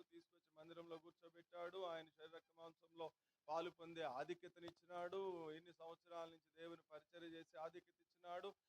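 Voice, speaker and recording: A man's voice: a little high, a little hiss or hum, rough recording. Telugu-speaking pastor questioning his congregation. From India. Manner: asks the congregation repeated rhetorical questions. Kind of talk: sermon. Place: church hall.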